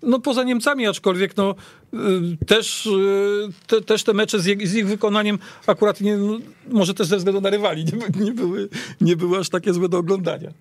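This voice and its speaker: Male football panelist, slightly high pitch, halting conversational delivery, very dry radio studio. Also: steady tone, no room sound. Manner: halting, repeats words mid-sentence. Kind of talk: casual sports discussion.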